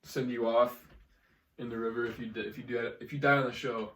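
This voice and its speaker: A young man co-hosting a casual podcast, cracking jokes and laughing easily. His voice sits at an average pitch. The sound is roomy and echoey, picked up from some distance away. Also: flat delivery, brisk, fairly bright tone. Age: young adult. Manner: joking, laughs often. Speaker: podcast co-host. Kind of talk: casual chat. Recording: echoey room, mic at a distance.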